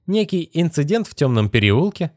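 A man's voice: a little high, big pitch swings, moderate pace, a little mellow, no echo, studio quality, voice pushed up. A man voicing a vain, cold young male magician in a haughty, condescending manner. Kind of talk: audiobook character reading.

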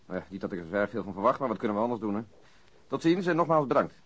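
An actor playing a dry, terse, skeptical police detective with a husky voice in a radio crime drama. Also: male voice, on the low side, sing-song, racing. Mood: businesslike, resigned. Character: dry, businesslike male police detective on a murder case.

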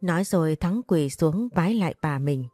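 A woman narrating a dramatic story in a steady, dramatic storytelling manner. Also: low voice, moderate pace, no echo, studio quality. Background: faint music.

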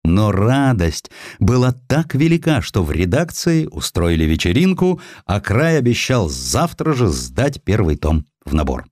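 Guy reading a history story like theatre, lowish voice, super animated, dry sound. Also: a little slow, few pauses, no room sound. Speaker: audiobook narrator. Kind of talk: dramatized scripted narration of a historical tale.

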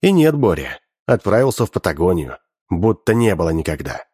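Male audiobook narrator, wry, animated pitch, dry studio sound. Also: brisk, slightly rough, dry recording. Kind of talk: expressive scripted story narration.

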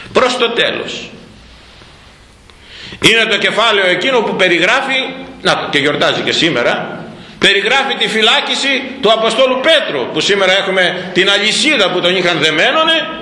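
Animated, bright-voiced male preacher. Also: high-pitched, roomy sound, low-quality recording. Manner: animated storytelling, addressing the congregation. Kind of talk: sermon.

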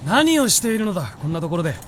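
A man playing a weary, gruff but kindly white fox spirit who speaks bluntly in a Japanese radio drama. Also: high-pitched, sing-song, very fast, background noise. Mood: flustered, scolding. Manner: gruff scolding, sighing, blunt speech.

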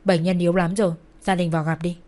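A woman voicing a hospital doctor who gives bad news in a flat, matter-of-fact way in a storybook reading. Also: lowish voice, quick pace, natural voice. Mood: grave.

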